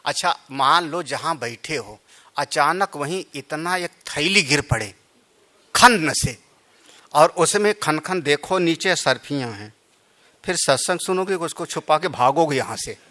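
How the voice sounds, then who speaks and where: A male Hindu spiritual teacher giving a devotional story sermon, his voice high and strikingly bright. He talks slowly and conversationally, breaking off to joke with his listeners. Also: lively intonation. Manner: chatty, joking asides to listeners. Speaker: Hindu spiritual leader telling scripture.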